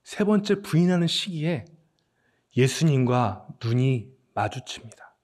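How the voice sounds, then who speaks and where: A male pastor giving a sermon, dramatic and animated, reading scripture and asking rhetorical questions. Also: medium pitch, a little slow.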